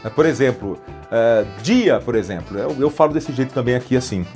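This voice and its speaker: A man from Brazil presenting an educational explainer in a relaxed, conversational way, with frequent small hesitations. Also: medium pitch, brisk, soft background music.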